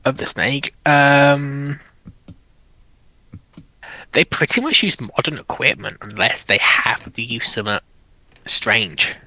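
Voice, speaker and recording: A man on a panel casually explaining in a halting way, often rephrasing as he goes. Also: mid-range voice, bright, forceful tone, low-quality recording. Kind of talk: casual explaining of fictional lore.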